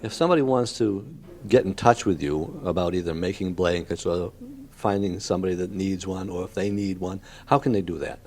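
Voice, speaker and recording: A man with a fairly low, mellow voice reports for local television. He moves between narrating community events and interviewing guests on location, with a dark, rounded tone. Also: brisk.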